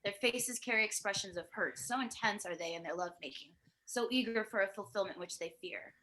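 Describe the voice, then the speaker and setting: A woman's voice: mid-range voice, brisk, pushed and bright, a little hiss or hum, low-quality recording. A woman narrating a screenplay, reading out scene headings and stage directions for a table read. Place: remote virtual table read.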